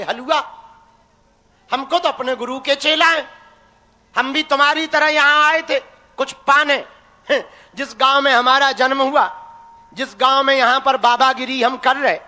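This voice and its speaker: In a reverberant hall, a young preacher addresses a live crowd with an extremely high, bright voice and a forceful tone. His religious talk is folksy and teasing as he urges his listeners on.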